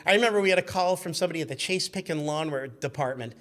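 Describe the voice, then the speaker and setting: A man in his fifties telling stories casually and in an animated, profane way as a podcast guest. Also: on the high side, very fast. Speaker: podcast guest, former radio intern. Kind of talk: casual storytelling.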